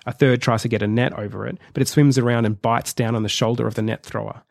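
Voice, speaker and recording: A man narrates a film pitch as a vivid, measured story. His voice is gravelly at a middle pitch, and the recording is dry and close. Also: steady tone, darkish tone, no echo. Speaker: podcast host.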